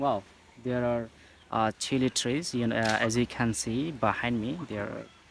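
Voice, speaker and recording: At a fairly slow pace, a man with a Bengali accent speaks in a medium pitch with ordinary pitch variation. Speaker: English teacher. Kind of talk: tutorial. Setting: outdoors. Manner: halting, many filler sounds.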